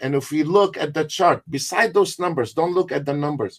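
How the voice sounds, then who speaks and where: Fairly high male speech with ordinary pitch variation, delivered at a moderate pace. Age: 60s. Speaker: trading educator. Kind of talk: live trading webinar. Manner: animated.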